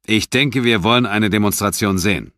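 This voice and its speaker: A man plays a blunt, gruff senior police officer in a low voice, recorded dry and close. He talks down to a younger man in a curt, no-nonsense way. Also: a little fast, a bit bright, no room sound, close to an everyday voice. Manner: gruff, blunt, fatherly-condescending.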